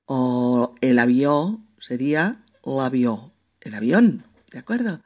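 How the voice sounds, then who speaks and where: A language teacher who talks at a notably slow, unhurried pace. Each example word is said over again so it can be heard clearly. Frequent short check-ins keep the listener following along. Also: mid-range voice, expressive, a little mellow. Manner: repeats words slowly to show pronunciation. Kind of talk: spoken language lesson.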